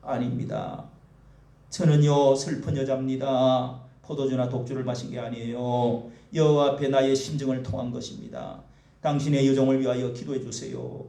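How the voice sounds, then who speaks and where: A man's voice: medium pitch, little pitch movement, moderate pace, vocal fry, warm tone, roomy sound, pitched below the performer's own voice, close to an everyday voice. A man voicing a grieving woman who pleads her innocence earnestly and solemnly. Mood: pleading.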